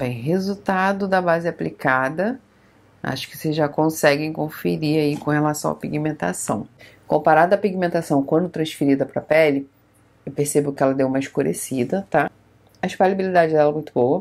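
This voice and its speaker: At a fairly quick pace, a woman speaks in a very deep, low voice. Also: ordinary pitch variation. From Rio de Janeiro, Brazil. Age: 30s. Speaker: beauty vlogger. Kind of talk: product review tutorial. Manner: conversational.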